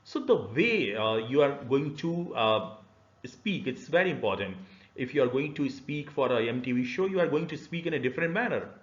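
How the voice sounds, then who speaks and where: A middle-aged man with an Indian accent giving an explanatory online lecture, phrasing haltingly with many filled pauses. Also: medium pitch, lively intonation. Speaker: university lecturer. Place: small indoor room. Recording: dull, boxy, roomy webcam audio.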